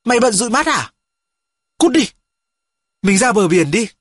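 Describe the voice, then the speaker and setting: A man's voice: sits high, animated, fast talker, a bit bright, no echo, studio quality, voice pushed up. A man reading an audiobook, voicing a pushy, teasing teenage boy who nags a friend to come along.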